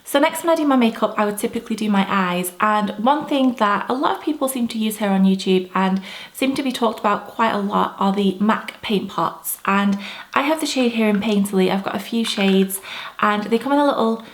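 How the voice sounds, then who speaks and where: A woman's voice: mid-range voice, a little fast. A young woman vlogger reviewing makeup to camera in a chatty, gushing way, her voice a bit stuffy from a cold. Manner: chatty, gushing, rambling asides. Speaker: beauty vlogger. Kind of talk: casual product review to camera. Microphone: camera mic.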